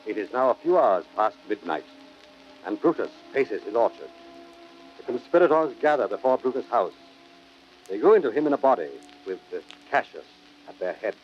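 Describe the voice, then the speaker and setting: A man's voice: mid-range voice, big pitch swings, normal speed. A man giving solemn, scripted dramatic narration as the narrator of an audio play. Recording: dull old record with music behind. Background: music.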